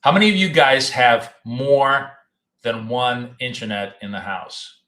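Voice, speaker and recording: An American trading show host runs a live stream from the home office of his city apartment, chatting loosely, talkatively and repeating himself as his voice goes hoarse and he coughs. His medium-pitched delivery is sing-song and unhurried, with a bright, forceful tone. The room adds a noticeable echo.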